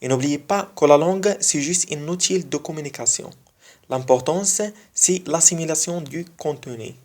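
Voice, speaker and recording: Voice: mid-range voice, a little mellow. Non-native French speaker teaching biology. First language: not French. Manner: repeats key phrases slowly for emphasis. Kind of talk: explanatory online lesson.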